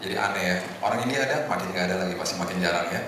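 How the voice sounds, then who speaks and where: A middle-aged man preaching informally to a congregation in a conversational, joking way, with hesitant pauses. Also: low voice. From Indonesia. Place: large echoing indoor hotel hall. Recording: echoey hall, distant mic, noisy room.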